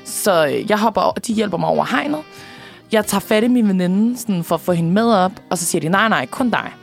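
Excited young woman with gravelly fry. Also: medium pitch, soft background music. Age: young adult. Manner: excited storytelling, swearing, laughing often. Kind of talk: casual chat.

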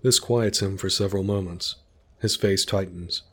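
A man narrating a story in a calm, descriptive way. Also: deep voice, normal speed, husky.

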